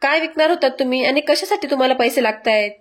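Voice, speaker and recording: A woman's voice: high voice, fast talker. A woman voicing a stern young husband pressing his wife with questions. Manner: questioning, insistent.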